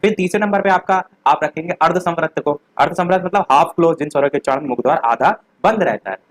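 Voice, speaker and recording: A man's voice: a little high, quick pace, low-quality recording. A young man, giving an exam revision lecture and explaining step by step with rhetorical questions. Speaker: teacher.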